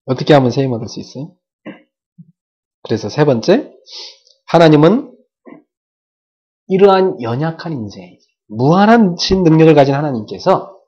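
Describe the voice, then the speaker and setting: Male pastor, lively sermon delivery, muffled old church video sound. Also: on the high side. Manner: animated preaching with sound-effect words and questions to the congregation. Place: church service. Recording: dull lo-fi church video recording.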